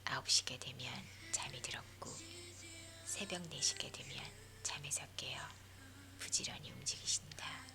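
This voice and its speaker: A woman leaning in to whisper a story for sleep in a hushed, breathy ASMR narration. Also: very deep voice, big pitch swings, measured pace. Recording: music behind the voice. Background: music.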